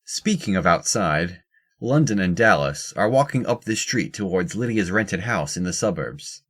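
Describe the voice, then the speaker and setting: Casting: low-voiced narrator for scripted audio fiction, telling the action between lines. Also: animated, moderate pace, a bit bright.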